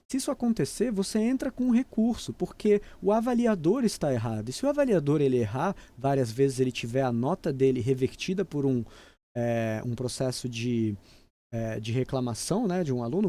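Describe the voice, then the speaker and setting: A Brazilian airline captain talks through an aviation English lesson in a relaxed, mellow voice that sits a little high. He explains things loosely and then drops into clipped radio-call examples. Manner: explanatory, switches into crisp radio phraseology examples. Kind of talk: casual video lesson.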